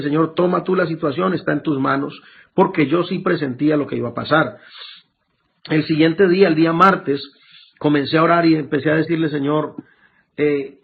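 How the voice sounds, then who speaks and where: Man preaching a testimony, gravelly husky voice, stumbles and repeats himself, thin phone-like sound. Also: fairly high pitch. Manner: emotional, halting with repeated words. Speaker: pastor giving testimony. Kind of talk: sermon testimony. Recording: tinny lo-fi phone-like recording with faint music.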